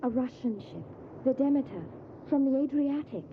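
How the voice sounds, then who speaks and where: A woman's voice: sits high, expressive, normal speed. An actress playing a girlish, delicate young Victorian lady in an audio drama, with an airy manner. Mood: eager, informative. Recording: phone-like, faintly noisy audio.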